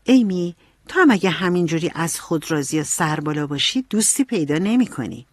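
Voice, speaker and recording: A woman's voice: lowish voice, animated, dry recording, studio quality. A woman doing a sensible, lecturing eldest sister. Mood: reproving. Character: eldest sister, motherly teenage girl.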